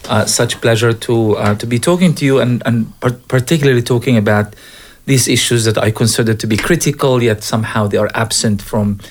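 A man's voice: medium pitch, a little fast. A middle-aged man from Gaza, a guest on a radio show, who speaks earnestly and often stops to restart his sentences. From Gaza, Palestine. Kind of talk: interview answers.

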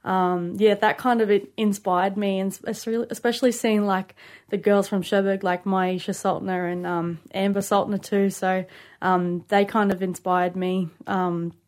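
A woman in her late twenties speaks with an Aboriginal Australian English accent. Her voice sits at an average pitch. She talks like a relaxed studio guest in casual conversation, filling her sentences with "like" and "you know". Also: a little slow. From Queensland, Australia. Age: late 20s. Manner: informal, with frequent "like" and "you know". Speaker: studio guest, rugby league player. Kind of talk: casual interview chat.

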